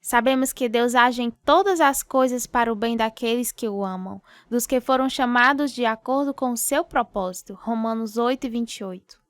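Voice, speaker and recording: A woman with a Brazilian accent playing a devout, encouraging wife in a radio drama, with a gentle, reverent manner. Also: on the high side, normal speed, few pauses, dry recording, clean studio sound, close to an everyday voice. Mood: reverent, supportive.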